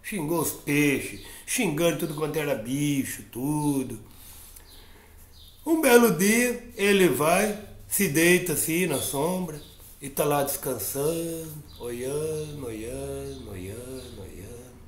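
A man telling a children's fable in a lively, playful way, full of sound effects. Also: fairly high pitch, slow. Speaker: storyteller. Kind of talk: oral storytelling for a class. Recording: roomy echo.

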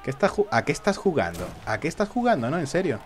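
A man commentates his own gameplay, his voice sitting a little high and swinging up and down in pitch. He jokes as he plays and taunts the enemies on screen. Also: sing-song, fast talker, soft background music. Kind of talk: live gaming commentary.

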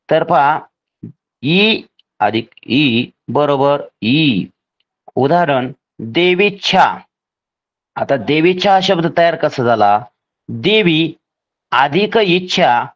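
A man teaching a grammar lesson for a scholarship exam, spelling out each rule slowly and deliberately, step by step. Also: on the high side, highs cut off.

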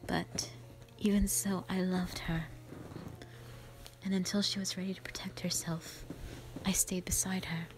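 Woman as hushed, slow, ancient black dragon sister. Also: on the low side, level tone, in a whisper, lightly acted. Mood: troubled, wistful. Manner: hushed, breathy, slow and halting, with sighs. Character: gentle, ancient female black dragon, protective, sorrowful elder sister. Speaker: audio roleplay performer. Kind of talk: soft whispered dramatic monologue, ASMR-like.

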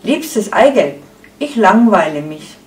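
A woman's voice: medium pitch, big pitch swings, takes it slowly. A woman voicing a restless egg white who pleads to leave its cozy shell for adventure, read aloud in a roomy space from a distance. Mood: eager. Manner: eager, pleading. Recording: echoey room, far from the mic.

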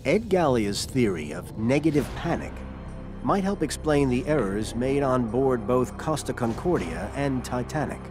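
A man narrating a documentary in a measured, dramatic scripted voice-over. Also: medium pitch, animated. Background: loud music score.

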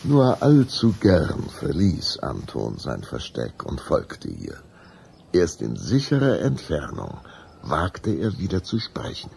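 A man narrating a children's radio play as a suspenseful, deliberate storyteller. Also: extremely low pitch, wildly swooping pitch, gravelly, darkish tone, slight background noise.

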